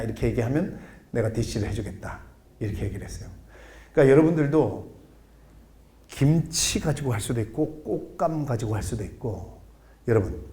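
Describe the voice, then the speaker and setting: A middle-aged man giving a jokey, animated lecture, acting out little scenes as he explains. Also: fairly high pitch. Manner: animated, jokey, acts out quotes and accents. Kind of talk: lively lifelong-learning lecture.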